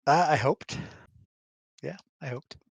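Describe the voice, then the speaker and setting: A man's voice: a little high, slow, creaky, husky, no room sound. A laconic, teasing man chatting casually as co-host of a hangout, in short replies. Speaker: co-host, the host's husband. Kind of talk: casual chat.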